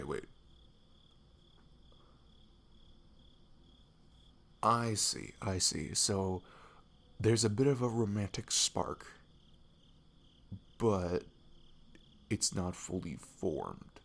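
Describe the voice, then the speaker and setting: A man playing a sweet, nervous young best friend in an intimate ASMR roleplay, speaking haltingly with a husky, breathy voice that drops toward whispers. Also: fairly low pitch, exaggerated voice. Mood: earnest, relieved. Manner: hesitant, halting, slipping into whispers.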